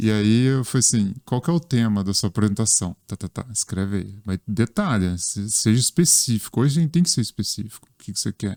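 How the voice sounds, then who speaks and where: A man with a fairly low pitch and a dark, mellow tone talks at a fairly quick pace, with hardly any pauses and big swings in loudness. The sound is dry and close with no echo, on a very clean recording with a silent background. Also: lively intonation. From Brazil, Minas Gerais. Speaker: Google Workspace trainer and consultant. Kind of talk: podcast interview. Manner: fast; animated.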